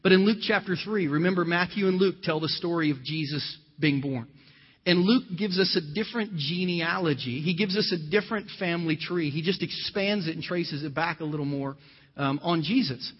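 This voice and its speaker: Male pastor, sermon, conversational storytelling, fairly high voice, muffled lo-fi recording. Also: normal speed, husky. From Ohio, USA. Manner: conversational storytelling with scripture quotes. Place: church. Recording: dull lo-fi sound with long hall reverb.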